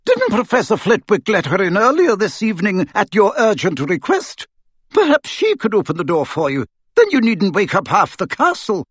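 A guy doing a strict old lady professor, cold and clipped, voice raised high and slow. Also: wildly swooping pitch, no echo, heavily acted. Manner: crisp, clipped, icily formal. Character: stern older woman professor, cold and precise.

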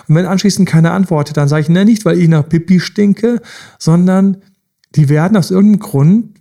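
A man's voice: a little high, mellow. A man hosting a self-help podcast, coaching listeners directly with repeated rhetorical questions. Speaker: podcast host.

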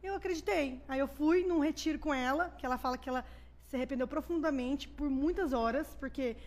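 A woman's voice: high voice, fairly quick. A woman pastor with a Brazilian Portuguese accent tells her personal testimony as a podcast guest, acting out the dialogue she quotes. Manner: animated storyteller who acts out quoted dialogue.

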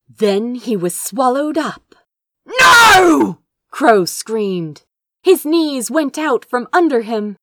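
A woman's voice: sits high, no room sound, clean studio sound. A woman reading a fantasy story aloud as an audiobook narrator, in a dramatic storytelling style. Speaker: fan fiction audiobook narrator.

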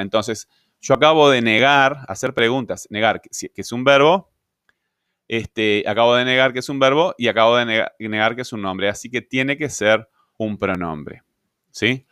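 A man's voice: mid-range voice, normal speed, sharp tone, clean tone, no room sound, clean studio sound. A man teaching a grammar lesson, patient, often checking with rhetorical questions. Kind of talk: grammar lesson explaining on screen.

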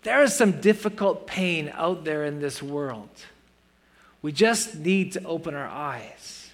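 A man's voice: on the high side, animated, slow. A man in his forties preaching a sermon in a church, earnest and conversational, with playful self-mocking asides. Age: 40s. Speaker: pastor.

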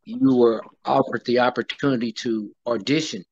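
A man's voice: medium pitch, steady tone, normal speed, darkish tone. Singer guy, dry joking tone, kinda dull lo-fi audio. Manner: wry, good-humored. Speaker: interview guest, singer. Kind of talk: casual interview chat.

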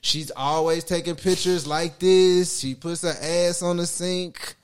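A man guesting on a casual podcast, relaxed, often restarting and repeating himself. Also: high-pitched, measured pace, smooth.

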